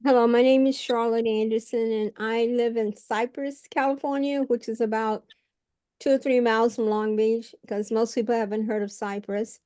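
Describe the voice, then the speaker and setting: A woman's voice: fairly high pitch, flat delivery, moderate pace, dark tone, smooth, dry recording. A woman introducing herself on a video call, frank and outspoken but a little hesitant. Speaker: workshop participant. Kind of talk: casual self-introduction.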